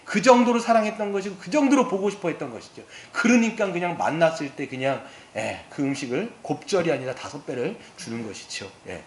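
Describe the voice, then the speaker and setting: A man preaches a sermon in a church sanctuary, retelling a story with lively swings in pitch and posing questions to his congregation. His voice sits a little high for a man. The sound comes back off the walls of a roomy hall, with a faint hiss underneath. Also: brisk, hardly any pauses. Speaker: pastor.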